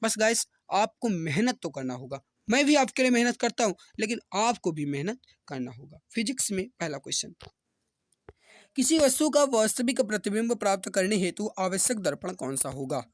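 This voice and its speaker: A man's voice: high voice, very animated, normal speed, dry recording, clean studio sound. A man teaching an online exam-prep class, who calls his students dear brothers and sisters and keeps repeating each answer. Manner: rousing motivational appeals.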